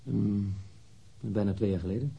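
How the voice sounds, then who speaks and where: A man's voice: fairly low pitch, normal speed, creaky, husky, highs cut off, full character voice. An actor playing a guarded, reluctant engineer in his thirties being questioned in a radio drama, answering curtly and somewhat irritably. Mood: guarded, matter-of-fact. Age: 30s.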